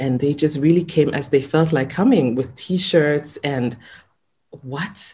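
Somewhat breathy and dark, mellow in tone, a woman talks at a fairly slow pace with a very deep, low pitch and ordinary pitch variation. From Nigeria. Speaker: education entrepreneur. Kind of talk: interview.

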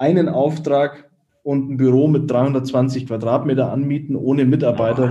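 A man of medium pitch speaks at a moderate pace, his tone dark and mellow and his intonation fairly even. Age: 30s. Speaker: entrepreneur, agency owner. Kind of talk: interview. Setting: video call.

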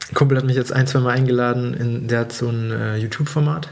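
A man's medium-pitched, flat, monotone voice at a fairly quick pace, with audible room echo and noticeable background noise. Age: 20s. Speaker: wedding DJ. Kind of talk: casual interview. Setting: at his home.

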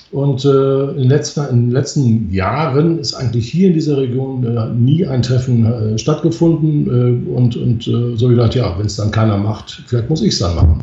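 A man speaks at a moderate pace and medium pitch with lively intonation and hardly any pauses, over noticeable background noise and audible room echo. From Lower Saxony, northern Germany. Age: 50s. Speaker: mobile DJ and event organizer. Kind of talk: livestream interview.

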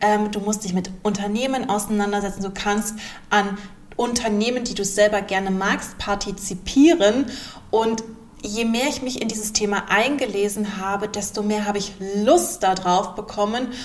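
A woman at medium pitch with ordinary pitch variation and a moderate pace, amid noticeable background noise and audible room echo. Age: 30s. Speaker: self-employed investing educator. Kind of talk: interview about personal finance.

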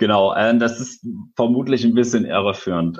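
The speaker uses a normal speaking voice with fairly even intonation at a fairly quick pace. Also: man. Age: 30s. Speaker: startup founder. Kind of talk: interview. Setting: video call.

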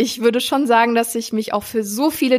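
A woman talks at a moderate pace, fairly high in pitch. Hers is an ordinary speaking voice. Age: 20s. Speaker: student and actress. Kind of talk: podcast interview.

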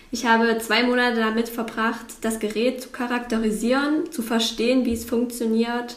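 A woman's fairly high voice at a fairly slow pace with audible room echo and noticeable background noise. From Saxony, near Leipzig. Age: 20s. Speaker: master's student. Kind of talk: casual chat.

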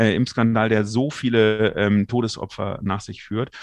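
A man talks in a medium pitch, and behind him the background is quiet. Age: 40s. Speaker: historian. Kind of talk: interview. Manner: halting.

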